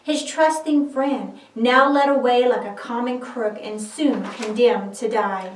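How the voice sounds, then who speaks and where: A woman narrates a dramatic biblical script with solemn, theatrical phrasing. Her voice is somewhat high and sounds distant from the microphone in an echoing room. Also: measured pace, a little hiss or hum.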